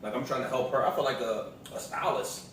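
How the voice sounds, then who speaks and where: A man's voice: mid-range voice, a little fast, fairly bright tone. An American man chatting casually on a vlog, slangy and repetitive as he tells stories. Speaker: vlog co-host, the vlogger's partner. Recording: roomy echo, distant mic, noisy background.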